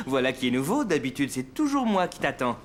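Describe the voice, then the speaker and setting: Man as patient, lively cartoon dad. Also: medium pitch, moderate pace, natural voice. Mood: amused, busy. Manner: warm, reassuring, chuckling. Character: patient, good-humored young dad of a small boy. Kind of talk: children's cartoon voice acting.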